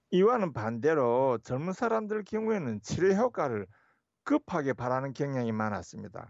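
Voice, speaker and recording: A man's fairly high voice at a moderate pace, full of very wide pitch swings. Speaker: traditional Korean medicine doctor. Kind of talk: radio health interview. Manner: formal.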